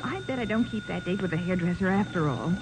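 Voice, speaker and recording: An actress playing a perky, expressive American secretary to a detective in a 1940s radio drama. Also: female voice, on the low side, quick pace. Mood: flattered, coy. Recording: noisy 1940s radio recording.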